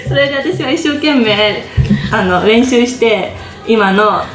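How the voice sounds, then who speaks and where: A woman's voice: fairly high pitch, lively intonation, slow pace, roomy sound, soft background music. A woman co-hosting a casual talk show, chatting and telling stories with frequent laughs. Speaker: podcast co-host. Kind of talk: casual chat.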